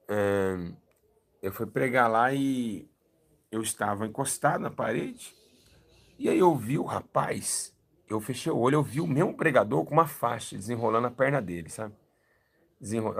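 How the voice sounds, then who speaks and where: Man, Brazilian accent, pastor, church testimony, husky voice, lively storyteller. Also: medium pitch. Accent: Brazilian Portuguese. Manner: animated storytelling, acting out dialogue.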